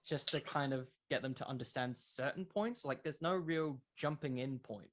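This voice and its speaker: A man's voice: medium pitch, normal speed, slight background noise. Earnest man explaining in casual interview chat. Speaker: podcast creator, interview guest.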